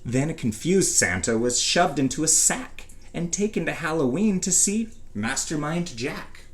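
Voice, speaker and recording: A man giving a dramatic reading of a rhyming storybook, with measured, theatrical phrasing and pauses. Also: fairly high pitch, animated. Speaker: storybook reader. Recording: echoey room, faint background noise.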